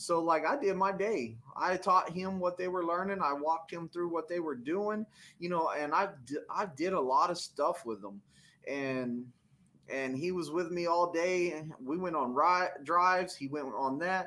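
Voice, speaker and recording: A man with a Southern accent speaks at a fairly slow pace in a high pitch, his tone bright and sharp with ordinary pitch variation. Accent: own Southern way of talking. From US South. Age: 20s. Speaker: truck driving instructor and streamer. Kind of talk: live stream chat answering viewer questions. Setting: live stream. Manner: casual.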